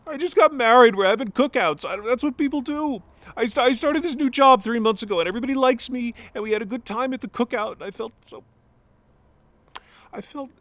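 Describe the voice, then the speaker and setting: A man playing a grieving adult son talking to his father in an intimate, halting monologue whose voice sometimes breaks high. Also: creaky. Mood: distraught. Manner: halting, restarts, voice breaking into high strained pitch.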